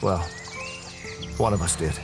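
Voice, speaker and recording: An actor playing a tormented, damned murderer, delivering a brooding first-person horror audio drama monologue. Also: male voice, sits low, unhurried. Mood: wistful. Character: damned male murderer prisoner, tormented, confessing in hell. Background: music.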